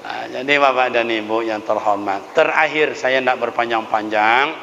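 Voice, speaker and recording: A man preaching a lively, humorous village sermon, telling folksy stories and calling out to the elders. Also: mid-range voice, normal speed, gravelly, slight background noise. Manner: humorous storytelling with folksy asides, addressing elders directly. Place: mosque. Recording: reverberant hall sound, dull lo-fi.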